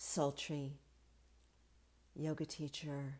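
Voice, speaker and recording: A dark, mellow tone at a very slow pace. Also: woman. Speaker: yoga teacher and teacher trainer. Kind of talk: casual talk to camera, instructional talk. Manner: mimicking the sultry whispery yoga teacher voice briefly, then chatty and amused.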